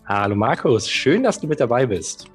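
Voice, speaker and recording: A man's voice: mid-range voice, sing-song, moderate pace, soft background music. Upbeat male podcast host. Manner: enthusiastic, upbeat. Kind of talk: podcast interview.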